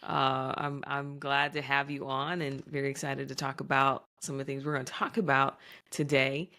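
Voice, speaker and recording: Low-pitched woman host; chatty, self-deprecating interviewer who recaps. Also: level tone, moderate pace, bright, forceful tone. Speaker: podcast host. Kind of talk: podcast interview, casual chat.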